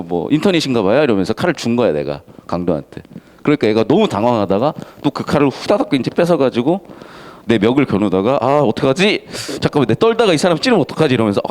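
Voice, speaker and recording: A man teaching a literature class in a casual, lively way, acting out the characters' lines as he explains the story. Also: medium pitch. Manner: casual, animated, acts out characters' lines in quick asides.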